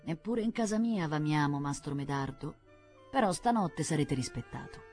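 A woman's voice: low-pitched, moderate pace, soft background music. Woman reading as a stern, grave old man. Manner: calm and grave. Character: stern, dignified old man, head of family. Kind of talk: audiobook reading.

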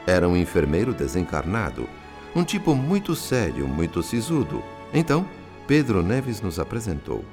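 Espírito médico solene, voz bem grave. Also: male voice, low voice, wildly swooping pitch, normal speed, music in the background, exaggerated voice. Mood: solemn, compassionate. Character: compassionate male spirit physician narrating his memories. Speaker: narrator and character. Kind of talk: dramatic radio drama narration.

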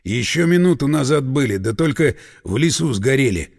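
A man voicing a desperate middle-aged man, caught by soldiers, who pleads and curses in a lower voice. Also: animated, normal speed, vocal fry, a little mellow, slightly rough, in a large hall. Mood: rueful. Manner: pleading, then cursing.

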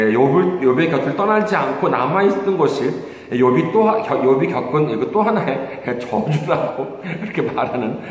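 A male pastor giving a sermon, emphatic and full of rhetorical questions to the congregation. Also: on the high side. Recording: echoey hall reverb, faint noise.

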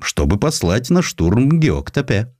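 A man's voice: mid-range voice, big pitch swings, measured pace, darkish tone, no room sound, studio quality, voice pushed up. A man playing a celebrated, forthright and learned Russian general in a dramatized audiobook. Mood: confident.

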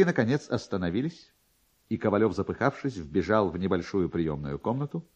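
A man narrating a classic story in a theatrical, expressive style. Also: low-pitched, breathy edge. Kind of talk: dramatic literary narration. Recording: dull, band-limited archive radio recording.

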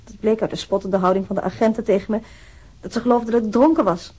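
An actress playing a distressed, wronged mother who gives earnest, measured testimony in a radio drama. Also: medium pitch, steady tone, warm tone, breathy edge, natural voice. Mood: distressed, weary. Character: wronged, distressed mother giving written complaint about police.

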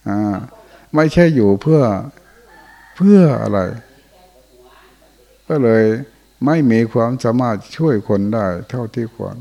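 A man's voice: mid-range voice, expressive, slow, gravelly, pauses often, warm tone. An older man, a Buddhist monk, giving an informal dharma talk in a monastery hall, telling folksy stories and often chuckling.

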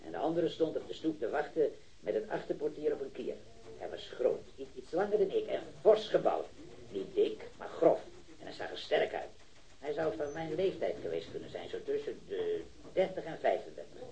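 Fairly high in pitch with big swings and a dark tone, this man's voice comes through a muffled recording. He acts the part of a robbery eyewitness in a 1970s radio drama: a hesitant, eager metal worker in his early thirties. Unsure and rambling, he halts, stammers and repeats himself.

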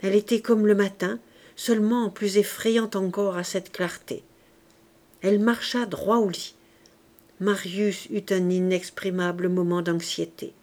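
A woman narrating a classic novel as an audiobook reader, in a measured, expressive way. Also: mid-range voice. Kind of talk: scripted narration.

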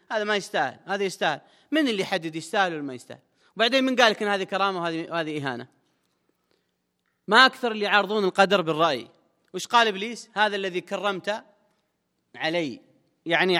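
A man's voice: high voice, pushed and bright, long reverb tail. A man, a sheikh explaining a religious text in a colloquial lesson, stressing points emphatically. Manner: explains quickly in colloquial speech, with emphatic rises.

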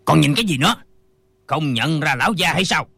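A woman voicing a blustering bully officer, deep and husky. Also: sing-song, normal speed, pushed and bright, dry recording, full character voice. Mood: scornful. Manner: barking, blustering orders. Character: arrogant bullying male military officer.

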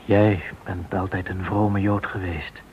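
A man's voice: low-pitched, flat delivery, takes it slowly. An actor playing an anxious Jewish man in a radio drama, speaking in an uneasy, hesitant way. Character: anxious, less devout Jewish man in occupied Amsterdam. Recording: thin phone-like old radio recording, slight hiss.

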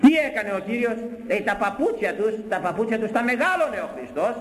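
Emphatic older Greek priest preaching. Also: male voice, high voice, sing-song, a bit bright, reverberant, rough recording. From Greece. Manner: repetitive, emphatic preaching with rhetorical questions. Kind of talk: sermon.

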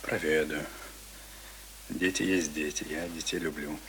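An actor playing a talkative, pompous middle-aged print worker in a Russian radio play, boasting in folksy colloquial speech. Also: male voice, very deep voice, fairly even intonation, a little slow, a bit bright, a little hiss or hum, exaggerated voice, poor audio. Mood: self-justifying. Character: talkative middle-aged male print worker, self-important former drinker. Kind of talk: Russian radio drama acting.

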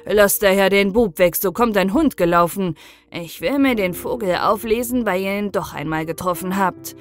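A woman voicing a quarrelsome old peddler man with a goat beard in an audiobook fairy tale, lamenting and crying out loudly. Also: medium pitch, moderate pace, soft background music, lightly acted. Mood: pleading. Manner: loud, lamenting outbursts.

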